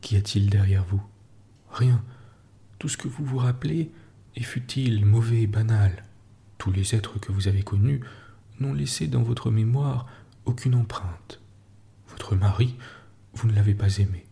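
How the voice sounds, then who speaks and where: A bitter old man in his sixties pleads with urgency, as a male storyteller reads him, hitting every syllable hard. The voice stays low and dark, and now and then it sinks to a harsh whisper. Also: measured pace, vocal fry, long pauses. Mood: urgent. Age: 60s. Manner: insistent, presses hard on each syllable, at times whispered.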